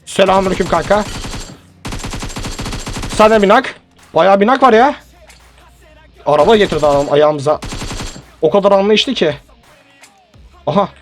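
A young man with a fairly high voice rattles off lively, joking commentary as he plays a mobile shooter, egging on teammates and talking to his viewers. Gunfire and faint music run behind him. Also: moderate pace, pauses often. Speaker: gaming YouTuber. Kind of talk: live mobile game commentary. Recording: game sounds and music behind.

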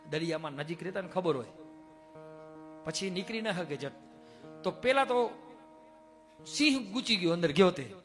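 Man, high voice, homely storytelling preacher at a temple satsang. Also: a bit bright. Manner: earnest, homely storytelling with village sayings. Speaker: temple head giving a satsang. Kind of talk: folk storytelling sermon.

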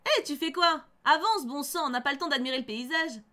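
A woman reading out an impatient, energetic young man's lines from a story game in a brisk, scolding way. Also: high voice.

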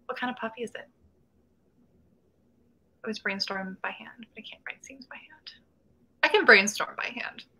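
Bright-voiced young woman hosting a livestream. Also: fairly high pitch, normal speed, long pauses, slightly rough, poor audio. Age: 20s. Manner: chatty, reads chat comments aloud, laughs often. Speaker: host. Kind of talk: casual livestream chat. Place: small room at home, indoors. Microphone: webcam video call.

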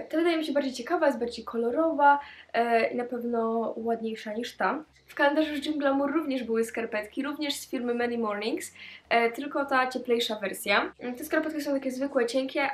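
A teenage girl chatting cheerfully as she unboxes gifts in a casual vlog, with many small hesitation sounds, recorded in her bedroom on a camera mic. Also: fairly high pitch. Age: teens. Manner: chatty and cheerful, with frequent "e" fillers. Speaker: vlogger.

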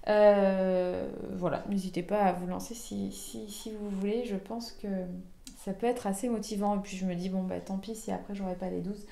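A chatty woman with a mellow, warm voice hosts a knitting podcast. She talks casually in a show-and-tell way, full of fillers and restarts. The room around her is echoey. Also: medium pitch, level tone, normal speed, vocal fry. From France.

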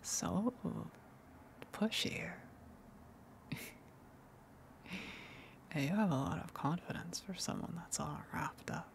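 A woman voicing a friendly eldritch monster in an ASMR roleplay, in a breathy whisper with a halting, coy, gently teasing manner. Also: deep voice, expressive, a little hiss or hum, heavily acted. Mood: teasing, dominant.

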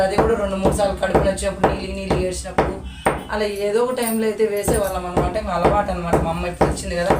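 A woman's voice: mid-range voice, far from the mic. A woman from India chatting casually as a vlogger, explaining a home remedy step by step. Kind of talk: casual vlog narration. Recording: echoey room, off-mic, noisy.

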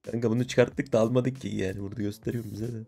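A young man giving casual gaming commentary, excitable and given to swearing, shouting when he wins. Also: on the low side, rapid-fire, vocal fry, soft background music. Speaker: gaming streamer.

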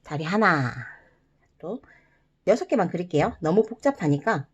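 Lively woman teaching origami. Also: on the low side, normal speed, breathy edge, lo-fi sound. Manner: gentle, encouraging, playful sound words. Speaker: origami instructor. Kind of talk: step-by-step craft tutorial.

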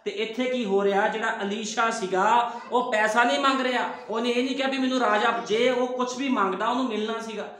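A man's voice: very high voice, steady tone, fairly quick, few pauses, a bit bright. A pastor, a man, preaching a sermon full of rhetorical questions. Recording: very echoey room.

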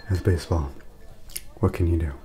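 A man playing an easygoing friend and long-suffering baseball fan in a soft-spoken, casual ASMR roleplay, often repeating himself and slipping toward a whisper. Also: low-pitched, fairly even intonation, normal speed, background noise, natural voice. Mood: resigned. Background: background music, clinking glasses.

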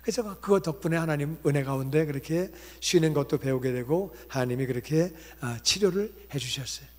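A middle-aged man preaching a revival sermon, telling stories and acting out conversations with lively shifts in voice. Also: fairly high pitch, fairly quick. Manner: animated, acts out dialogue with God and himself. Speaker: pastor. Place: church sanctuary. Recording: long church hall reverb.

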